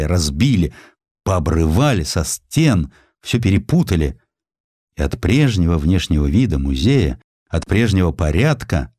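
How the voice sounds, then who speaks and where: A man narrates a historical piece as a practised audiobook storyteller. His voice sits low and swings widely in intonation, with an expressive, theatrical delivery. The recording is dry, with hardly any room sound. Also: dry recording. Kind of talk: scripted narration of a historical essay.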